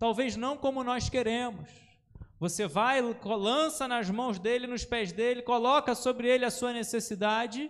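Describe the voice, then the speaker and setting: A man with a Brazilian accent speaks at a fairly slow pace. His pitch is extremely high, with ordinary variation. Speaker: preacher. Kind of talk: sermon. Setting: church with congregation. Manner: fervent, exhorting. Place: church. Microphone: handheld.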